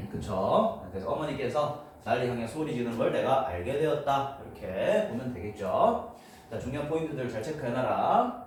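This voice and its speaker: A man's voice: mid-range voice, big pitch swings, normal speed. A male teacher giving a classroom lecture on English grammar, explaining step by step and checking in with students. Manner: explains step by step, often asking students for agreement. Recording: roomy, distant, noisy room mic.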